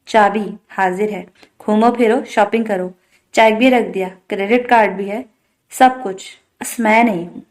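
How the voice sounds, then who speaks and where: A woman's voice: a little high, a little mellow, natural voice. Doting husband, fond and teasing, read by a woman, storybook.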